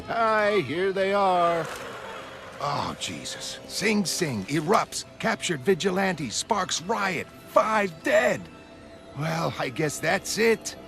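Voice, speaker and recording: A man voicing a brash, excitable street news vendor who shouts out headlines. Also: high voice, slow pace, vocal fry, pitched above the performer's own voice, full character voice. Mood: excited. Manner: brash, exclaiming. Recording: music underneath.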